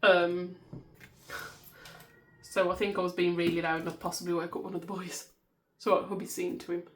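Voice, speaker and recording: A woman's voice: lowish voice, little pitch movement, moderate pace, slight background noise. A woman in her thirties with a Black Country accent, chatting casually and counting banknotes aloud at her desk at home. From West Midlands, England. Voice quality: loud voice. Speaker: budgeting vlogger. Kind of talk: casual chat while counting cash.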